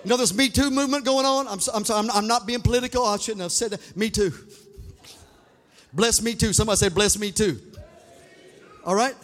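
High-voiced male pastor, fervent sung-and-shouted sermon style, long reverb of a church. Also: quick pace. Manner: calls on the congregation for responses. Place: church sanctuary.

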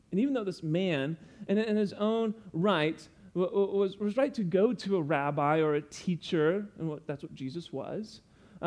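A man's voice: high voice, darkish tone. Earnest young man preaching a sermon. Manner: earnest, explanatory, teacherly asides.

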